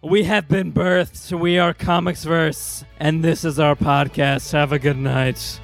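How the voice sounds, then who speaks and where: A man with a fairly high voice throws quick jokes into a podcast chat. Faint music plays in the background. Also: little pitch movement, creaky. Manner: quick joking interjections. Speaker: podcast co-host. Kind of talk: casual group chat.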